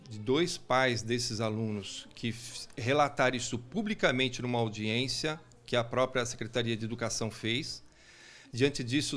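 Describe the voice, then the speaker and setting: A man's voice: medium pitch, fairly bright tone. A man, a lawyer, giving a formal interview statement with legal phrasing and occasional restarts.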